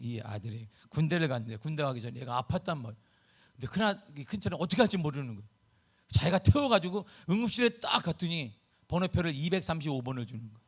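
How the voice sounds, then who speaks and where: Animated high-voiced Korean-church pastor. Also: male voice, creaky. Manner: animated storytelling with sudden loud and soft swings. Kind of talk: sermon.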